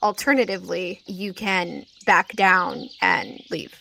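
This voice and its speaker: A woman's voice: fairly low pitch, takes it slowly, creaky, pushed and bright, slight background noise, poor audio. A woman improvising casual narration as the game master of a tabletop roleplaying game.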